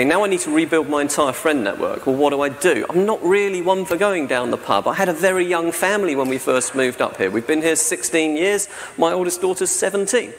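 A man in his forties from South-East England, giving a conference talk in a chatty, self-deprecating way, often tagging on "right?". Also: a little high. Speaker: conference speaker. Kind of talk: presentation talk. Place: large dark hall on a stage with projection screen. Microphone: stand mic at lectern. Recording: reverberant hall, faint noise.

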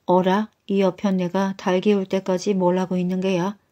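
A woman's voice: mid-range voice, flat delivery, moderate pace, warm tone, close to an everyday voice. A woman voicing a grumpy old man with a blocked nose who snorts before he talks and scolds his wife. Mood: scolding.

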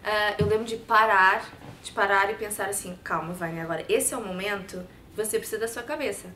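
Interview guest: woman, 30s, European Portuguese accent, expressive storyteller; lapel mic, slight room echo. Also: mid-range voice, fairly quick, a little hiss or hum. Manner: expressive, talks with her hands. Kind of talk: personal story in a sit-down interview. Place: bright studio set with sofa and shelves.

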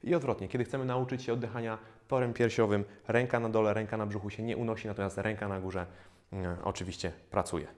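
A man in his thirties, a fitness trainer, calmly explaining core exercises with frequent hesitation fillers, recorded on a lapel mic in a bare indoor studio. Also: on the low side, fast talker. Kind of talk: instructional exercise video.

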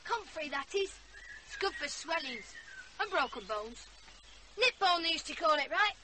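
A woman's voice: high voice, big pitch swings, normal speed, pushed and bright, full character voice, rough recording. An actress playing a rebellious, outspoken fifteen-year-old country girl with a defiant, impetuous manner in a radio drama. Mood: eager, chatty. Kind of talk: naturalistic radio drama acting. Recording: radio drama with faint background noise.

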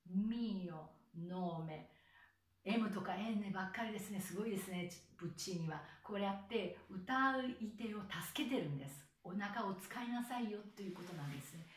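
Patient soprano teacher, slow demonstrations. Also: female voice, mid-range voice, roomy sound, recorded from a distance. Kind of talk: pronunciation lesson.

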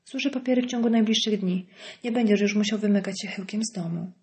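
A woman's voice: mid-range voice, quick pace, a little mellow, natural voice. A woman reading an audiobook voices a cold, scornful wealthy wife, icy and sarcastic.

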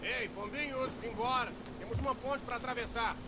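A man's voice: extremely high pitch, normal speed, heavy background noise. A man with a Brazilian accent voicing a small, grumpy, sarcastic raccoon mercenary in a video game. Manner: snarky, complaining. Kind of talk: dubbed video game dialogue.

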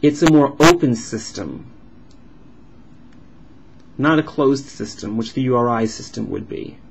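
A man voicing a signed vlog as an interpreter, explaining in halting phrases with uneven pauses. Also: mid-range voice. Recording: dull lo-fi sound with clear background noise.

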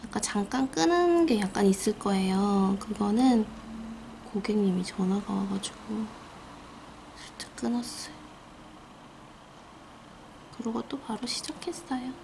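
Creaky-voiced woman with Gyeongsang accent. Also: mid-range voice, a little slow, long pauses. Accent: Gyeongsang Korean. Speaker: nail art instructor. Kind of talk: casual hands-on tutorial chat. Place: indoor nail art studio. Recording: noisy room, steady background noise.

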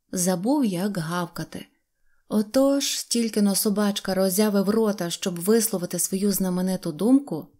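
Mellow woman reading a fairy tale. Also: medium pitch. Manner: lively, expressive storytelling. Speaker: storyteller. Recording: faint music under reading.

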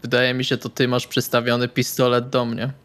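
A man playing a stone-faced, polite male vampire in tabletop roleplay, deadpan and formal. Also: mid-range voice, brisk, lightly acted. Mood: flat, calm.

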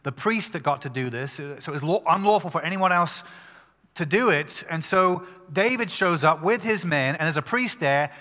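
A male pastor preaching a sermon at a pulpit microphone, talking in an emphatic, conversational way with quick restarts. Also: on the high side, lively intonation, pushed and bright, in a large hall.

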